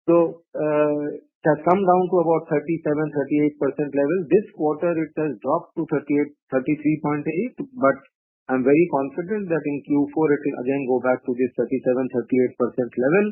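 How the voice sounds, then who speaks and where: A man presenting quarterly results on an earnings call, measured and full of "uh" and "you know". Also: fairly high pitch, steady tone. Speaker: company executive presenting results. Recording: tinny phone-line audio, dry.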